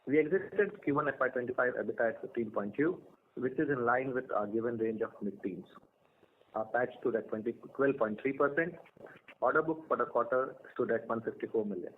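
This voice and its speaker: Fast-talking man on a phone line. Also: mid-range voice. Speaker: financial controller. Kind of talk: scripted financial results report. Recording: phone-like conference line, faint noise.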